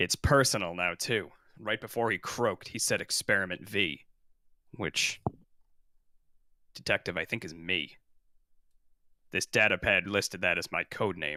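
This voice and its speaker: Using a put-on character voice, a raspy man with a fairly low pitch and ordinary pitch variation talks at a moderate pace with long, frequent pauses, in a dry, close sound with no echo. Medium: actual play. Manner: terse, gruff.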